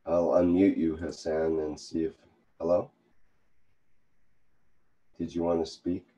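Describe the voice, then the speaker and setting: A man with a low, very dark, mellow voice moderates a panel on a video call. He is polite and orderly as he calls on each speaker. His tone stays calm and relaxed. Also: slow pace, dull audio.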